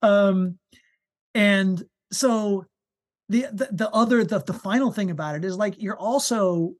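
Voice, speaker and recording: A man with a high voice, a musician telling stories in a casual interview, animated and full of fillers and restarts. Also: unhurried. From United States. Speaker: musician guest.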